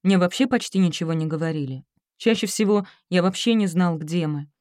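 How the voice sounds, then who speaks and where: A woman voices a reserved seventeen-year-old boy answering questions in quiet, clipped sentences. The delivery stays low and mellow, recorded close and dry. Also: fairly quick, dry recording, natural voice. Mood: guarded. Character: reserved, guarded Japanese youth of seventeen.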